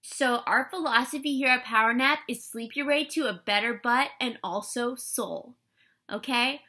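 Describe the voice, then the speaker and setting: A woman's voice: on the high side, normal speed. A woman playing an overzealous wellness instructor, giving commands insistently in a comedy sketch. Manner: forceful, commanding. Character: pushy, overzealous female wellness fitness instructor. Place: small room indoors.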